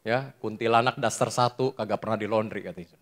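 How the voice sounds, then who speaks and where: A middle-aged man, a pastor preaching a lively sermon, joking and telling stories while he keeps addressing the congregation. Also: lowish voice, fairly quick. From Indonesia. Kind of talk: sermon with storytelling.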